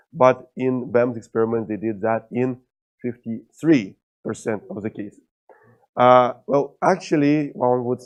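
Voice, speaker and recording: A man's voice: mid-range voice, darkish tone. A man with a Russian accent giving a conference lecture, with many "uh" fillers and dry humor. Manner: frequent "uh" fillers, wry humor. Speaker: scientist giving a conference talk. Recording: lo-fi dull sound.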